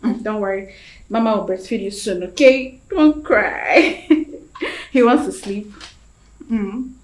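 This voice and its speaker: A woman's voice: mid-range voice, slow, roomy sound, close to an everyday voice. An actress playing a young mother who coos and laughs as she soothes a crying baby. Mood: soothing. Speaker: actor.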